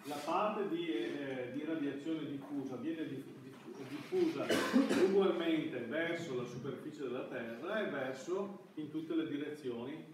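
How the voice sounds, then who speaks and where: A middle-aged university lecturer teaches a class in a fairly high voice, speaking haltingly and restarting phrases repeatedly as he searches for words. A distant camera microphone picks him up in an indoor classroom, so the sound is very echoey with faint background hiss.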